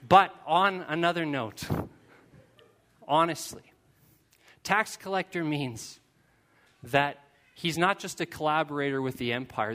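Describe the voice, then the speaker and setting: A man preaching a sermon, telling a story with lively asides. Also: medium pitch. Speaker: pastor.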